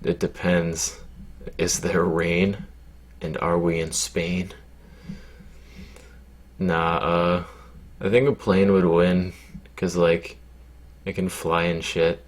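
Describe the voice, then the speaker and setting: Casting note: deep, deadpan male YouTuber, low-key and rambly, swears casually. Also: takes it slowly, pauses often. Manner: deadpan, low-key, sounds glum by his own account; rambling with many fillers and swearing. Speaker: YouTuber answering viewer questions. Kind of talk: casual Q&A chat.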